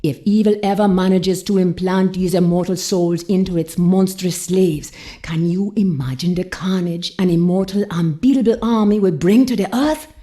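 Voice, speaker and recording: Lady acting a low mellow voiced voodoo priestess in a game, bossy, seductive, mysterious, talks like doom is coming. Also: moderate pace, few pauses, natural voice. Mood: ominous warning. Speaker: video game voice actor. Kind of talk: dramatic game cutscene acting.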